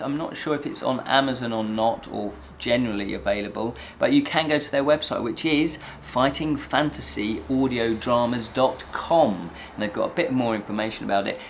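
A man's voice: mid-range voice, creaky, slight background noise. A middle-aged man giving a casual, rambling review to camera, often repeating and rephrasing himself. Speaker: host of a fantasy review show. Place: small indoor set with draped backdrop.

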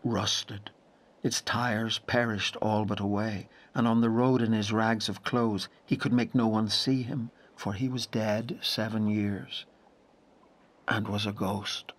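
An actor playing a grave, intense narrator in a literary audio drama, measured and full of dramatic pauses. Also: male voice, on the low side, flat delivery. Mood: hushed wonder. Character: grave narrator haunted by a wild lake memory.

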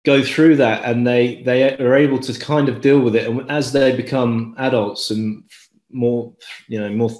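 A man in his forties talking reflectively and haltingly as an interview guest, repeating phrases for emphasis. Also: mid-range voice, fairly even intonation, darkish tone. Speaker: interview guest, squash coach. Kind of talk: conversational interview. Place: indoor room at home, on a video call. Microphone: video call. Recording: roomy, echoey video call.

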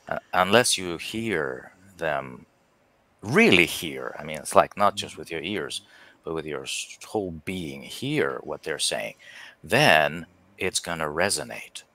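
Very deep, bright-voiced middle-aged man. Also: dry recording. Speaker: guest on a livestream discussion. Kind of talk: casual reflective discussion. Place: indoor room at home, on a video call. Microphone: headset on a video call.

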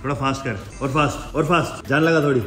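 A young fitness vlogger chats casually while filming in a hotel room, a restaurant and a gym, teasing his friends and hyping them up. His voice is medium-pitched and a bit bright, quick, with fairly even intonation. The rooms sound echoey, with music in the background.

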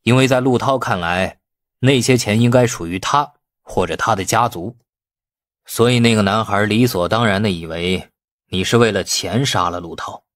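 A man's voice: on the low side, normal speed, fairly bright tone, dry recording, studio quality, lightly acted. A man voicing a stern middle-aged police chief in an audiobook, questioning with patient, insinuating manner. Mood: probing, measured.

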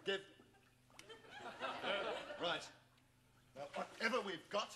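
An exasperated bossy doctor. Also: male voice, high-pitched, slow pace. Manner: bossy, exasperated, orders people about. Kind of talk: 1970s television sitcom acting. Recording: very noisy old TV recording.

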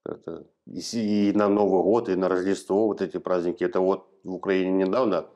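A man in his thirties from eastern Ukraine, giving hesitant, halting answers in an interview in a small office, recorded on a lapel mic. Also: low voice, fairly even intonation, warm tone, lo-fi sound. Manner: hesitant, halting, plain-spoken. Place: small office room, indoors. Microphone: clip-on lapel mic.

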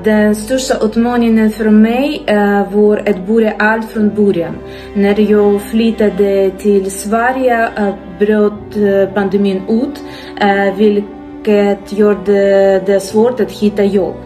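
A woman speaking slowly and hesitantly with many pauses, filmed in a small room. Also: medium pitch, fairly even intonation, mellow, faint music behind. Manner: slow, hesitant, many "eh" fillers. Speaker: interviewee, expat. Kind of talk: casual testimonial.

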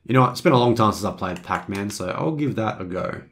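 A man's voice: on the low side, animated, fast, fairly bright tone. A hungover man giving loose, rambling, joking, self-mocking casual commentary as he hosts a video game review.

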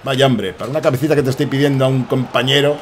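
A young man from Spain with a Spanish accent, giving rambling, excitable commentary while playing a soccer game and swearing often. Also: mid-range voice, very fast, a little hiss or hum. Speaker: gaming streamer.

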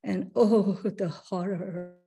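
A middle-aged woman, born and raised in Pakistan, gives an online lecture about her art. She talks in a measured, reflective manner, partly reading her script. Her voice sits at a middle pitch and comes through a webcam microphone. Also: fairly even intonation, vocal fry, mellow, faint music behind. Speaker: artist giving a talk. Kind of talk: virtual artist lecture. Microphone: video call webcam.

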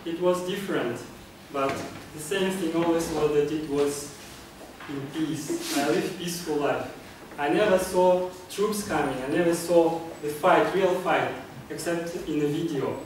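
Speaking fairly high and a bit slowly over background noise, a Kazakh club speaker gives a heartfelt prepared address in a meeting room. He often begins phrases again with fillers. The sound comes from a distant camera in an echoey space.

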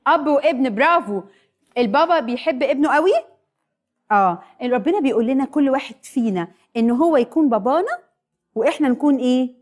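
A woman's voice: high-pitched, lively intonation, a little fast. A woman with an Egyptian accent presenting a children's show, teaching in an encouraging, sing-song manner.

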